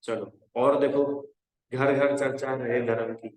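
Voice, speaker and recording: In an echoey room with slight background noise and low recording quality, a man speaks in a mid-range, flat, unhurried voice. He's leading an informal religion class for young people, chatting and urging them on while frequently checking that they understand.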